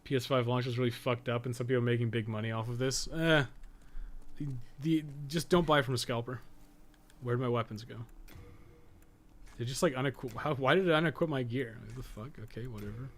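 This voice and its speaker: A man's voice: medium pitch, steady tone, a little fast. A man streaming a game, thinking aloud and chatting in a casual, rambling way, muttering to himself and swearing now and then.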